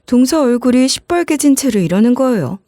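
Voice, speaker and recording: A woman narrating a first-person story in a conversational, expressive way. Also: high voice, a little fast, no echo, studio quality.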